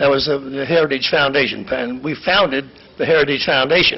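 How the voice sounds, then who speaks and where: A man's fairly high-pitched, fairly quick speech over noticeable background noise. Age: 70s. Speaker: public commenter, retired lawyer. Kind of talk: public comment at council meeting. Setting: city council chamber. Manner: halting, with false starts.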